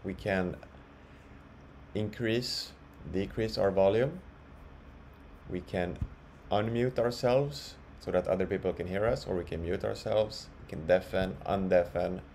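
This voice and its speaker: Slow, low-voiced man giving a tutorial. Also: darkish tone. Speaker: software tutorial presenter. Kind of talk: casual screen-share walkthrough. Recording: clearly audible background noise.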